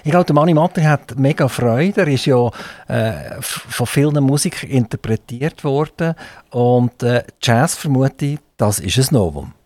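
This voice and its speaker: A male interviewer speaks Swiss German in a conversational hosting style. He hesitates and hunts for words. His pitch is average and the sound is dry, with very little room. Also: expressive, normal speed, a little mellow, no room sound. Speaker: radio interviewer.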